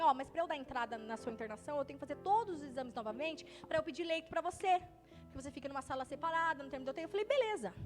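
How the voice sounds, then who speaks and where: A young adult woman, pregnant, preaching in a church, moving from hushed storytelling to loud fervent preaching. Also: high voice. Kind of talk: testimony sermon.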